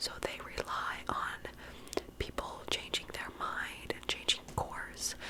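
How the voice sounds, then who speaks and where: A woman whispers while noticeable background noise carries on around her. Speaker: ASMR creator. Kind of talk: ASMR roleplay lesson, whispered teaching about a book. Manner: whispered, close ear-to-ear, soft.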